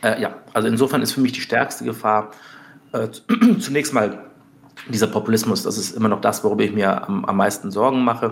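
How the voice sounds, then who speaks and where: With fairly even intonation, a man speaks at a fairly quick pace, broken up by long, frequent pauses. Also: medium pitch for a man. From Germany, partly Munich. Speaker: political scientist, professor. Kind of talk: interview conversation, debate. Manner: hesitant with many fillers.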